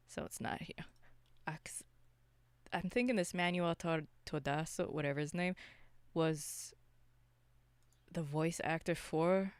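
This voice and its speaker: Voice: mid-range voice, a little slow, long pauses, clear, resonant tone, no echo. A podcast co-host chatting casually about films in a loose, rambling, unscripted way. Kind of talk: casual unscripted film discussion.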